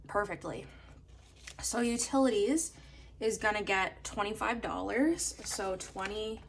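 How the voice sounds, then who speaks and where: A young woman from Canada, slightly hoarse from a coming cold, chatting casually as she counts bills aloud in a steady rhythm. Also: mid-range voice, slight background noise. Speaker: budgeting vlogger. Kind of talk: casual narration while counting cash.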